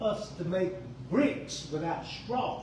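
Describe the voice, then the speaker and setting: A high-pitched man with very wide pitch swings, heard through audible room echo and noticeable background noise. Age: 70s. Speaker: community activist. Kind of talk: town hall audience comment. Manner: halting, repeats words; impassioned, preacherly.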